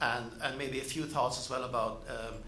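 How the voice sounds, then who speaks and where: A man talks amid light background noise, with audible room echo around his voice. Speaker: conference presenter. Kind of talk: lecture. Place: hall. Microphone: podium.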